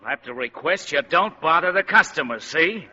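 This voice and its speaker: Surly bartender, husky, sharp bright tone, muffled radio. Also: male voice, fairly high pitch, expressive, normal speed, full character voice. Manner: curt, threatening. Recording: dull old radio recording.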